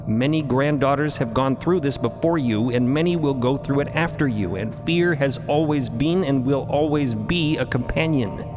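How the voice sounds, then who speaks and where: Man playing a solemn, measured elder mentor over music. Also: mid-range voice, close to an everyday voice. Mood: reassuring. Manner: measured, solemn, formal, reassuring. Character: stern, calm elder mentor, a mother of a religious order. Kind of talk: audio drama acting. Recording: music behind the voice.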